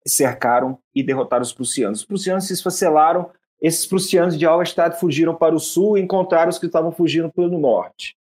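A man's voice: on the high side, darkish tone. A man hosting a history show, explaining battles in a casual lecturing way and often stumbling over repeated syllables and restarts.

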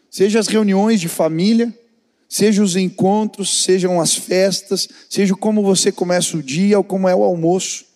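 A man's voice: high-pitched, a little mellow. A man preaching a conversational sermon as a pastor, telling family anecdotes. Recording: church hall reverb.

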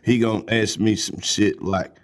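A young man co-hosting a comedy podcast, telling profane tall tales in a slow drawl with casual banter. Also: fairly low pitch, steady tone. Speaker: podcast co-host.

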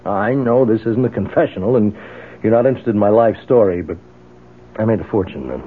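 An actor with an American accent playing a brash, tough ex-Marine in a 1970s radio drama, casual and probing in manner. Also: male voice, lowish voice, expressive, fairly quick, breathy edge. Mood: earnest, contrite. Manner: hesitant interjections, casual, probing. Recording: muffled tinny 1970s radio broadcast.

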